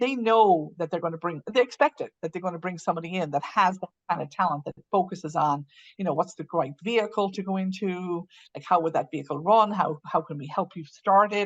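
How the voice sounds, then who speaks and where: A woman with an Irish accent speaks at a fairly quick pace with a fairly low pitch and ordinary pitch variation, the sound dry and close with no echo. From Ireland. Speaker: philanthropy advisor. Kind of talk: podcast interview. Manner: halting, many repetitions.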